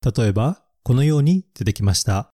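A man hosting a picture-book English podcast, reviewing vocabulary slowly and carefully and repeating English words and phrases for learners. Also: mid-range voice, lively intonation, dark tone, no echo, clean studio sound.

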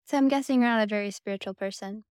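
A woman's voice: medium pitch, racing, darkish tone, clean tone, no echo. A woman interviewer asking curious, casual follow-up questions. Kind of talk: conversational interview.

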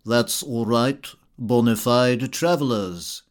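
A man voicing a languid, self-satisfied Victorian gentleman with a nonchalant drawl. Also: medium pitch, takes it slowly, natural voice.

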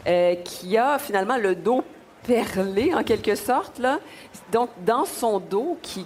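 A woman, interviewing an author with warm enthusiasm. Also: mid-range voice, a little hiss or hum. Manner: enthusiastic, effusive. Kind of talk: radio interview.

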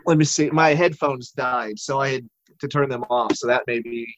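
A man's voice: mid-range voice, normal speed, a bit bright. A man chatting casually as a podcast co-host, his audio coming through a phone on a remote call and breaking up into a choppy, digitized buffering stutter. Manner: rambling, with many fillers. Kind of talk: casual chat. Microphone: phone audio over a remote call. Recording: dull lo-fi phone line, dry.

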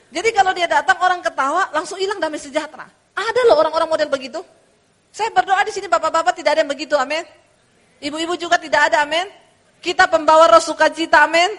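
A woman pastor preaching a sermon in a lively, humorous storytelling manner, calling the congregation to say amen. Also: high voice.

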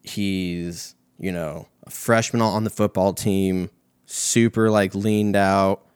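A man's voice: low-pitched, steady tone, slow pace, a little mellow, smooth, no echo, clean studio sound. A young American man hosting a comedic monologue, telling stories in a rambling, profane, slangy way. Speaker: host of a comedic talk show.

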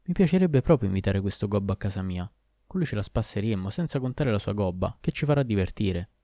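A man's voice: fairly low pitch, animated, fast talker, mellow, dry recording, studio quality, close to an everyday voice. A man voicing a scheming male tailor in a storybook reading, in a plain matter-of-fact way. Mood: amused.

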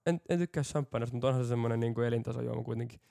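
A man's voice: mid-range voice, creaky, warm tone. A middle-aged man co-hosting a casual podcast, dry and blunt, swearing freely. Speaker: podcast co-host. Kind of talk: casual chat.

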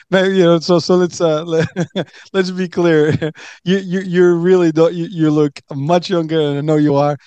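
Male interview host, higher voice, hesitant and laughing, dry recording. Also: little pitch movement, unhurried, a little mellow, smooth, no echo, lo-fi sound. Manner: hesitant, repeats words, laughs often. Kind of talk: interview chat.

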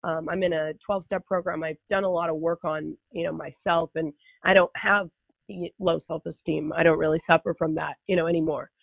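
A young woman with a Californian accent talks candidly as an interview guest, her voice hoarse, raspy and strained, with informal, hesitant phrasing. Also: deep voice, steady tone, fairly quick, no room sound. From United States, San Fernando Valley in California. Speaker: podcast guest. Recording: thin, phone-like sound.

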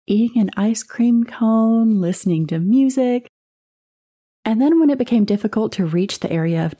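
A woman's voice: fairly low pitch, dark tone. A woman with a Southern US accent hosting a podcast, telling a true ghost story in a casual, conversational way with asides and the odd whisper. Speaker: podcast host.

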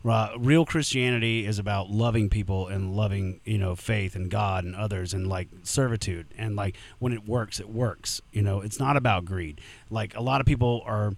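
A man's voice: on the low side, normal speed, hardly any pauses. A man, a punk musician guest on a podcast, talking bluntly and casually and swearing freely.

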